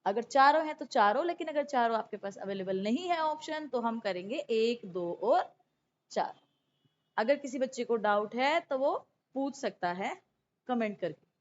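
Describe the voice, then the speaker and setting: Hoarse, high-voiced woman teaching. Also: lively intonation, measured pace, slight background noise. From India. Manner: instructive, checks in with "okay", mixes in English terms. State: hoarse, sore throat. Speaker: teacher of exam-prep psychology classes. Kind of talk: explanatory exam lesson, going through questions. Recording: dull lo-fi sound.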